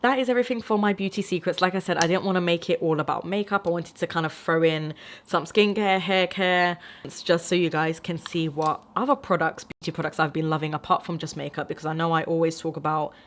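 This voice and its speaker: A young woman talks straight to the camera in a relaxed beauty-review vlog. Her voice sits a little low for a woman. She rambles in a friendly way, filling pauses with "um" and "like". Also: slight background noise. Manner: chatty, many fillers like "um" and "like". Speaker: beauty vlogger. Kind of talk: casual beauty product review.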